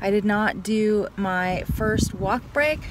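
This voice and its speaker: Loud background noise fills this recording of a woman. The sound is dry, with no echo. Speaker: vlogger. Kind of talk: casual vlog chat. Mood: relaxed, a bit lazy. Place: car. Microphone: phone near.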